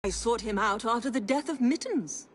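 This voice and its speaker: A woman's voice: fairly high pitch, expressive, normal speed, noisy background, lightly acted. An actress playing a frail, eccentric older lady who speaks sentimentally and mournfully in a game cutscene. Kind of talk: video game cutscene acting.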